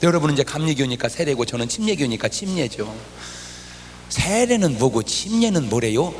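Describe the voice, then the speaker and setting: Man preaching, high voice, lively swings from hushed to shouting, long church hall reverb, faint hiss. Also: moderate pace. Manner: animated, swings from soft to shouting, acts out quoted prayers. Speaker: pastor. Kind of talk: revival sermon. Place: large church hall with congregation.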